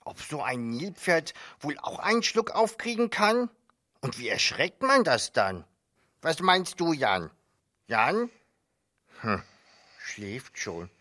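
Naive young male meerkat puppet, children's show. Slow, stammering, easily amazed, piercingly bright delivery. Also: a little high, very animated, heavily acted. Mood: musing. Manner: hesitant, stammering, exclaiming.

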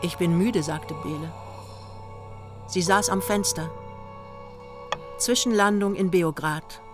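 A woman with a fairly low voice narrates a scripted radio play. She tells the story in a measured, matter-of-fact way, with music clearly playing behind her.

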